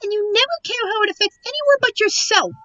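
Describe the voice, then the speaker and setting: A woman's voice: extremely high pitch, fast talker, bright, forceful tone, lo-fi sound. A woman playing a sheltered young princess in a fantasy audio drama, fussy, eager and melodramatic. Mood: hurt, furious. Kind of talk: fantasy audio roleplay acting.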